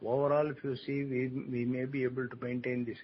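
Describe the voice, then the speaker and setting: Man, executive on earnings call, halting and rephrasing, dull audio, faint noise. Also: level tone. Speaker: company executive answering analysts. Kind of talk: earnings call question and answer. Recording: muffled conference call line, noisy rumble.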